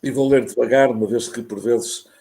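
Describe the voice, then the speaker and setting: Mellow-voiced Portuguese professor, formal and measured. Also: male voice, mid-range voice, fairly even intonation, gravelly. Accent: European Portuguese. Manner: measured, careful, formal delivery with hesitations when speaking off text. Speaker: university professor, guest lecturer. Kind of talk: academic lecture read from a prepared text. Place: remote talk over video call. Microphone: video call.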